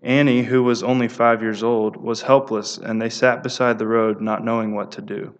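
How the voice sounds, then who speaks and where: A man giving a devotional talk who reads prayer stories aloud at a steady pace, with small stumbles and restarts. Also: lowish voice, normal speed, highs cut off.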